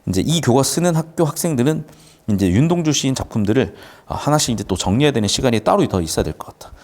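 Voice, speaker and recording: A man's voice: mid-range voice, quick pace. A man teaching a literature lesson, casually explaining a screenplay and playfully acting out the characters' lines. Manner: lively, jokey, acts out characters' lines. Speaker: Korean literature tutor. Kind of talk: classroom lecture explaining a screenplay.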